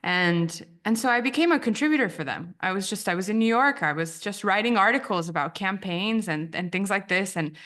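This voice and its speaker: A woman's voice: medium pitch, brisk, few pauses, a bit bright. A woman in her thirties, from Romania and raised in the US, a podcast guest telling her story thoughtfully, often restarting phrases. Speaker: guest, branding editor. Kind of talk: reflective podcast interview.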